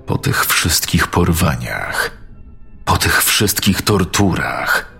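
A man voicing a little girl possessed by a vengeful dead priest's spirit, with a rough, gravelly, menacing half-whisper. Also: sits low, sing-song, slow pace, bright, forceful tone, soft background music, full character voice. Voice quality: gravelly, rough demonic growl.

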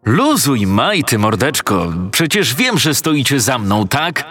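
A man's voice: mid-range voice, big pitch swings, slow pace, a bit bright, soft background music, pitched above the performer's own voice. A man voicing a brash, teasing teenage boy who leads his friends in a spoken horror story. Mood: cocky. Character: cocky joking teenage boy, group leader.

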